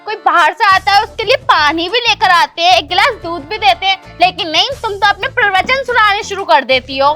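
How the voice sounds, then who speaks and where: Girl doing a sassy bratty young bahu type, high and bright voice, music behind. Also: expressive, brisk, hardly any pauses, exaggerated voice. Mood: mocking. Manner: cheeky, dismissive, mixes English words. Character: sassy lazy young modern daughter-in-law. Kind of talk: rustic comedy skit acting.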